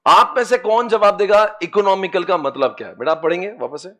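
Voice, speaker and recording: High-pitched man teaching, chanting mnemonics. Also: fairly quick. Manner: lively, chants mnemonics and coaxes students to repeat; addresses students as beta and friends, teasing. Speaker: commerce exam lecturer. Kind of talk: classroom lecture.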